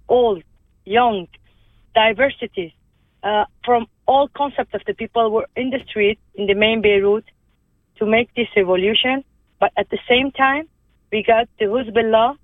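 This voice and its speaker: A woman guest, heard over the phone in a conversational interview, has a voice on the high side with no room sound. She is Lebanese, first learned Armenian, and speaks earnestly with hesitations and many restarts.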